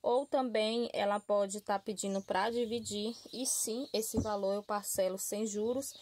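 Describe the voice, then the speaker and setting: A woman's voice: medium pitch, steady tone, unhurried, a little hiss or hum. A Brazilian woman hosting a crochet channel, talking casually to viewers in a chatty, friendly way with constant "tá?" and "né?" tags. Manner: chatty, warm-hearted, addresses viewers as "gente", frequent "tá?" and "né?" tags. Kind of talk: casual tutorial talk to viewers. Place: small room at a work table. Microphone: camera filming her hands and table from above.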